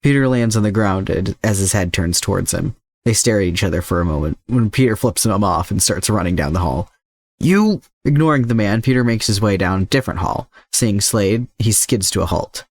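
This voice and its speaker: Low-voiced man narrating a story. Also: fairly quick, hardly any pauses, no echo. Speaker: fan fiction podfic narrator.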